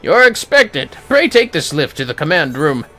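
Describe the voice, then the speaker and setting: A man voicing an earnest, formal fantasy leader from a game, reading archaic dialogue in a theatrical, deliberate way. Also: on the high side, big pitch swings, bright, forceful tone, pitched above the performer's own voice. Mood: welcoming, commanding.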